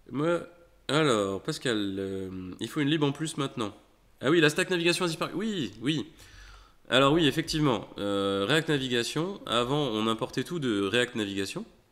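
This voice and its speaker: A man speaks fairly slowly at a medium pitch, his voice swinging very widely up and down, on a very clean recording with a silent background. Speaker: software developer live-streamer. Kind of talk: live coding stream.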